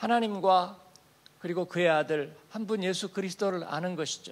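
A man talks at a fairly slow pace. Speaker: pastor. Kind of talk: sermon. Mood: warm, smiling. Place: church. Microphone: handheld.

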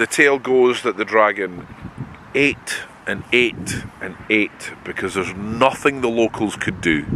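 Against light background noise, a man with a Scottish accent talks at a fairly slow pace and medium pitch, with ordinary pitch variation and a dry sound with no echo. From Scotland. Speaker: vlogger. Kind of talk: casual talk to camera, outdoor vlog storytelling. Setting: outdoors. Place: open country. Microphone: phone near.

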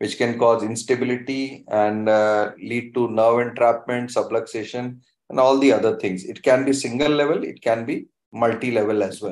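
Fairly even intonation at a moderate pace, with audible room echo. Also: man. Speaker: presenter. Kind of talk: lecture. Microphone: video call.

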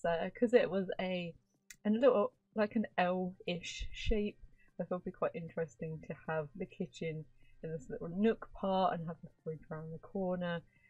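With a British accent, a woman speaks at a moderate pace and medium pitch, somewhat breathy, with ordinary pitch variation and big swings in loudness. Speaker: Sims gaming YouTuber. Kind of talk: casual video commentary over gameplay. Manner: casual, chatty, enthusiastic, with filler words.

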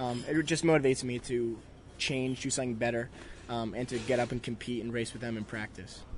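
A man's somewhat breathy voice at a medium pitch, with fairly even intonation and a fairly quick pace. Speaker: college swimmer. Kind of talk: interview.

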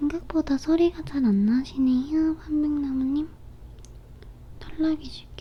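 With noticeable background noise behind her, a woman speaks at a fairly slow pace in a high pitch, using ordinary pitch variation and long, frequent pauses. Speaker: ASMR creator. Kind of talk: ear-cleaning roleplay as a friend, whispered talk. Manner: soft, casual, friendly, whispery.

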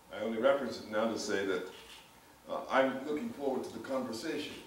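A man at a very fast pace, with audible room echo and light background noise. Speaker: professor. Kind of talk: lecture. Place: hall. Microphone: podium.

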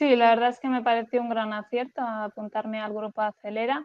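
A woman with an unremarkable speaking voice, fairly high pitch, fairly even intonation, a dry sound with no echo, and a quiet background. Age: 30s. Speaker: architect; interviewee. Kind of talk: interview with screen-share tutorial. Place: home room. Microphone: earbuds.

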